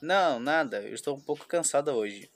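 Anxious young schoolgirl in a game reading, voiced by a man: halting, restarts words, plain mid voice. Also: mid-range voice, animated, soft background music, natural voice. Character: despairing young schoolgirl, anxious and self-blaming. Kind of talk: reading a visual novel aloud.

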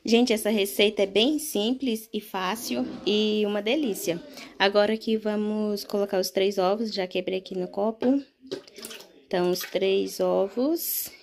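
A Brazilian woman talks through a home recipe in an informal, chatty style. Her voice sits at a medium pitch. She keeps turning to her listeners with little check-in questions as she explains. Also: steady tone, unhurried. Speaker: home cooking vlogger. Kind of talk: casual recipe narration.

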